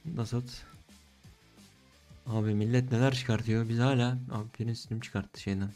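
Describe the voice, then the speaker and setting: Slangy young man, excitable gaming commentary. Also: lowish voice, a little fast. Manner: slangy, excitable, pleading and groaning at results. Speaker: case-opening streamer. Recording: faint music behind.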